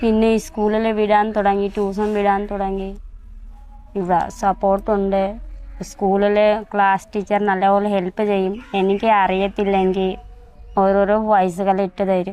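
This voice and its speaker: A woman's medium-pitched voice with very even loudness and monotone, flat intonation. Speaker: mother of the child. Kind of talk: casual interview. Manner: halting.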